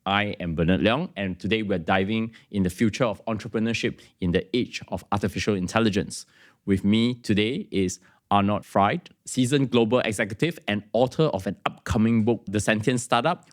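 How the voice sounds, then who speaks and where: A man with a deep voice hosts a business podcast. He introduces his guest and asks questions at a steady, measured pace. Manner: measured, with brief acknowledgements. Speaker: podcast host. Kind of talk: podcast interviewing.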